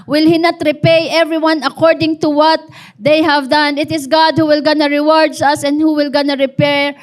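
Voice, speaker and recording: A woman's voice: sits high, level tone, moderate pace. A woman pastor with a Filipino accent preaching a sermon, mixing Tagalog and English, telling a story with call-and-response to the congregation.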